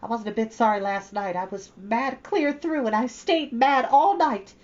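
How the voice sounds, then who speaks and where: A woman voicing an imaginative, talkative orphan girl who speaks in a high, gushing, dramatic way. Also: expressive, moderate pace, darkish tone, husky. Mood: earnest. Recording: slightly dull lo-fi recording.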